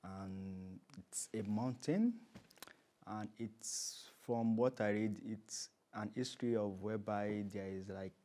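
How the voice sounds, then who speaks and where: A man's voice: on the low side, steady tone, slow pace, warm tone. A man with a Nigerian accent speaking as an interview guest, conversational and emphatic, often repeating his key phrases.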